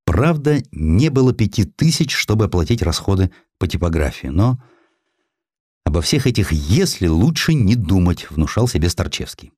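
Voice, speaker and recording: A man narrates a historical story in a fairly low voice. His delivery is theatrical and wry, with very animated intonation. The sound is dry and close. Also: moderate pace, no echo. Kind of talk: expressive scripted narration of historical prose.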